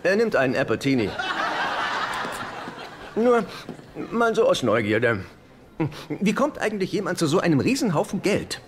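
Flustered, high-pitched sitcom loser, animated. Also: male voice, moderate pace, long pauses, background noise. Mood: wry. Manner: flustered, stammering, sarcastic. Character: nervous, broke, nosy middle-aged man, sitcom loser. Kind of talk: German-dubbed sitcom acting.

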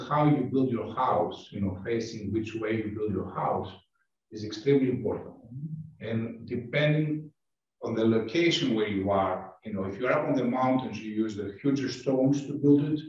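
A Greek-born board member whose first language is Greek speaks in a casual town board discussion, searching for words and restarting phrases. His medium-pitched, darkish voice is picked up by a distant room mic at a large table, so the recording sounds echoey and dull.

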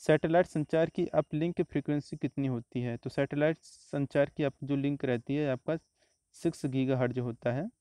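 A man walks through exam questions one by one, repeating each answer in a steady teaching manner. His voice is mellow and smooth, a little higher than most men's. The recording is close and dry. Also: normal speed, no room sound. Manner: steady explanatory, repeats answers, frequent "तो देखिए" and "आपका". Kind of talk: explaining exam questions over slides.

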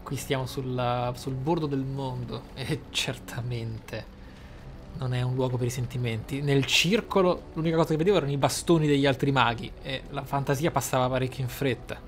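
A man's voice: medium pitch, normal speed, slight background noise. A man giving casual role-play game commentary, musing aloud in an amused manner. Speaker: let's play host.

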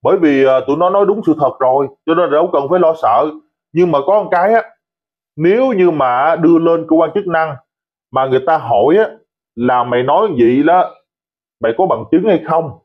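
A man's voice: fairly high pitch, lively intonation, fairly quick, muffled recording. A man giving a heated, mocking commentary monologue, scolding and insulting his critics. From Vietnam. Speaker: online commentator.

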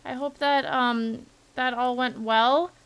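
A woman in her twenties streaming a game. She chats casually and gushes with bubbly excitement. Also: sits high, takes it slowly, clean tone, no echo, low-quality recording. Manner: bubbly, gushing, chatty. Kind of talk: casual gameplay commentary.

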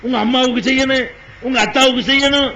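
A man preaching a sermon, scolding his listeners with rhetorical questions and swinging between loud and soft. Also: extremely high pitch, level tone, fast, slight background noise, poor audio. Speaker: Muslim preacher.

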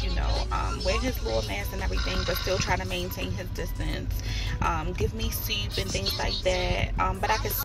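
A woman's voice: medium pitch, vocal fry, rough recording. A woman in her thirties talking informally to her phone at arm's length in a casual vlog. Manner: informal, conversational. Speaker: vlogger. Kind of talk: casual storytime vlog chat. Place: small spaces: pharmacy corner, then parked car. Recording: music behind the voice.

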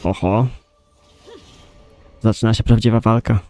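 A man's voice: on the low side, steady tone, a little slow. A man giving casual let's play commentary as a gamer, reacting in short asides and swearing. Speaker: gaming streamer. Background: game music.

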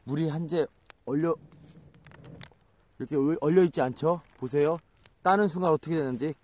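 A man's voice: a little high, normal speed, a little mellow. A man making dry, mocking jokes off to the side while camping outdoors on a frozen river. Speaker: husband co-host. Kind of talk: casual teasing asides. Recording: off-mic outdoor camera noise.

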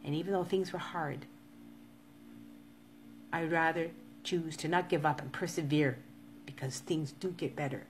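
Low-voiced woman in her fifties. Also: fairly even intonation, measured pace, pauses often, slight background noise. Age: 50s. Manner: earnest, repetitive motivational urging. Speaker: live-stream vlogger. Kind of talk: casual live-stream monologue to viewers.

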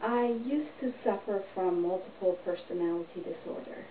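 A middle-aged woman performer giving a deadpan, tongue-in-cheek monologue to camera. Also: on the low side, normal speed, a crowd in the background. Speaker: comedy performer. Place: small indoor room, plain wall. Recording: echoey, distant, dull home recording.

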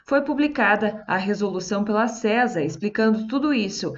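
A woman's voice: mid-range voice, lively intonation, brisk. Woman reading news voice-over, dull audio. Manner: crisp read-out news delivery. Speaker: news reporter. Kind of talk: scripted news narration.

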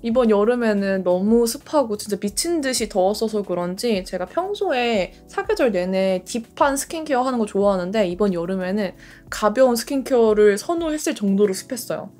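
A woman's voice: medium pitch, animated, fairly quick, hardly any pauses, darkish tone, faint music behind. A woman in her late twenties chatting casually in a skincare vlog, gushing about products as she applies them. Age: late 20s. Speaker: beauty creator. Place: bedroom in front of a door.

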